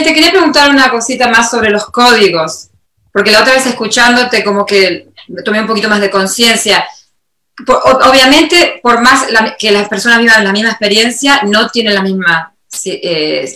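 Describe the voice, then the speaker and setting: A woman hosts a radio interview, her voice bright and sharp as she asks questions in a searching, hesitant way. The room around her is echoey and roomy. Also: medium pitch. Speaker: radio show host. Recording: roomy echo.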